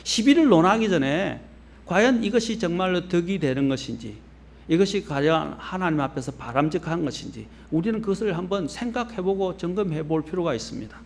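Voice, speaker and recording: A middle-aged pastor delivers a measured, earnest sermon, his slightly high voice carrying a faint Gyeongsang accent. He climbs in pitch and force to drive home each point, then drops low and soft as phrases close. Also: lively intonation, creaky. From Gyeongsang region, Korea.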